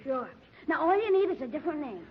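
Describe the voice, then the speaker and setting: A woman's voice: high voice, big pitch swings, fast talker. A woman voicing an eager, cheeky young boy with chirpy, boyish talk in 1940s radio comedy style. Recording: hissy, muffled old radio broadcast.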